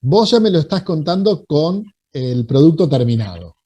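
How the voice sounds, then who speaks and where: A man with a Rioplatense Spanish accent leads a relaxed interview and builds his thoughts in reflective lists. His voice is warm and mellow, and it sits a little high for a man. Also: moderate pace, husky, highs cut off. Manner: reflective, thinks aloud in lists. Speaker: host. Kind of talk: casual interview chat.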